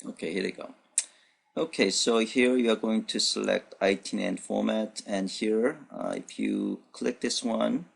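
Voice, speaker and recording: Gravelly man walking through a coding demo. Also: fairly low pitch, fairly bright tone. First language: Korean. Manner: thinks aloud with many fillers and restarts. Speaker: programming instructor. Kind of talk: unscripted screencast walkthrough. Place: at his computer, voice-over on screen recording.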